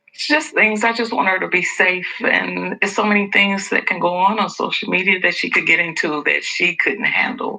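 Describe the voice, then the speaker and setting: With hardly any pauses, a woman of medium pitch talks at a moderate pace with ordinary pitch variation, over noticeable background noise. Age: 60s. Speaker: worried grandmother. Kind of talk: talk show testimony.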